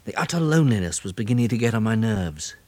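A man playing a weary, kindly English survivor in a 1960s radio drama, gentle and measured in manner. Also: fairly low pitch, very animated, no echo. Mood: weary, sombre. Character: weary, kindly male survivor narrating his journey. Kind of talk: 1960s British radio drama narration and dialogue. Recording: hissy old radio recording.

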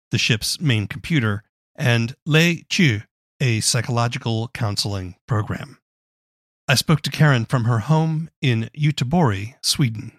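A man's voice: medium pitch, no room sound, studio quality. A man speaking as a podcast host and interviewer, presenting and asking questions in a conversational interview show. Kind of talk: scripted introduction and conversational interview.

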